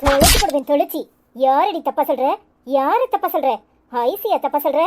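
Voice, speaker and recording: A bossy but caring elder village sister from a cartoon talks bluntly in a Tirunelveli Tamil accent. Her voice is very high and lively. She fusses and scolds like a mother. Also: moderate pace, background noise. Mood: stern. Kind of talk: cartoon voice acting.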